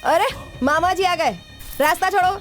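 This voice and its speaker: An actress dubbing a brash, bossy female gang boss who talks in rough street slang. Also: very high-pitched, moderate pace, music in the background. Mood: teasing. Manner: swaggering, rough street talk. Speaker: gang leader. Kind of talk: Hindi film dub.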